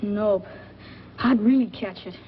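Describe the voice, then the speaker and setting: A man's voice: high voice, slow. A young boy actor playing a frank, mischievous small-town boy in a muffled, noisy 1940s film. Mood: eager, frank. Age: child.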